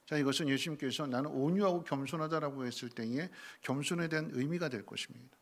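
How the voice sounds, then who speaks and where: In a church sanctuary, a male pastor preaches a sermon in a fast, creaky voice. He shifts between soft, low stretches and loud, emphatic bursts, acting out the prayers he quotes.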